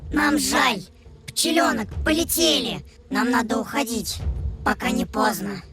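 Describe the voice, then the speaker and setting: A woman voicing a small, timid but good-hearted bee in a children's cartoon, excitable and emphatic. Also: sits high, a little slow, gravelly, heavily acted. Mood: regretful. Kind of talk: animated children's cartoon acting. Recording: loud music under the voice.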